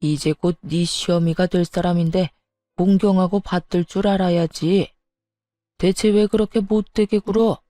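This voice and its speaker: A woman voicing a domineering older father-in-law who scolds his daughter-in-law in a low, gruff voice. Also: fairly even intonation, measured pace, warm tone, no room sound, clean studio sound, close to an everyday voice. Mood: stern.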